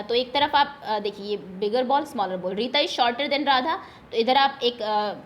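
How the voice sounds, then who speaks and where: Brief: female primary teacher, high voice, patient and methodical, reads lines slowly, then explains. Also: slight background noise. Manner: patient, step-by-step, addresses young pupils directly. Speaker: school teacher. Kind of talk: classroom lesson explanation.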